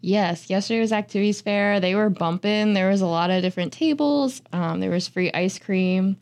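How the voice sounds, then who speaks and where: A woman's voice: medium pitch, normal speed, darkish tone. A young woman co-hosting a college radio talk show, chatty and laughing easily. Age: young adult. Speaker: co-host.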